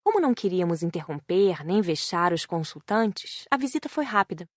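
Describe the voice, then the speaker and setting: A woman's voice: lowish voice, big pitch swings, brisk, no room sound. Woman narrating an audiobook, dry sound. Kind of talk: scripted first-person narration.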